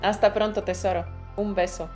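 A woman co-hosting a language lesson, speaking clearly and deliberately and calling the listener an endearment. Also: medium pitch, fairly even intonation, darkish tone, faint music behind. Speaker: language teacher, co-host.

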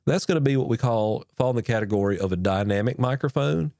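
A man's voice: medium pitch, quick pace, creaky, warm tone, no room sound. A man hosting a podcast as a pastor, talking close into a broadcast mic with a stuffed-up, nasal voice from illness, earnest and encouraging. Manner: earnest, encouraging, chatty with fillers. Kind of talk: instructional podcast talk. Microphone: dynamic broadcast mic, close.

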